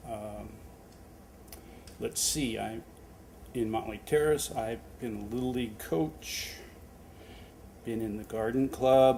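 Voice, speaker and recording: A man with an American accent talks at a very slow pace, his medium pitch showing ordinary variation and broken by long, frequent pauses. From US Pacific Northwest, Snohomish County, Washington. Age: 60s. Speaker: city council candidate. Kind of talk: interview.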